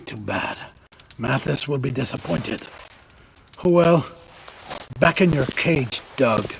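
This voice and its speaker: An actor playing a jeering, gravelly convict henchman in a video game. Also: mid-range voice, lively intonation, takes it slowly, slight background noise, rough recording. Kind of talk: video game cutscene acting.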